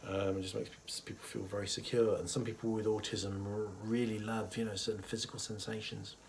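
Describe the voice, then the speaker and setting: A man speaks in a lowish, husky voice, roughened by a cold. He talks casually and thoughtfully to camera, pausing often on fillers as he explains. A faint hiss of room ambience sits under his voice. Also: level tone. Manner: thoughtful, hesitant with many fillers, chuckles softly. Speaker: therapist. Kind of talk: casual educational talk to camera.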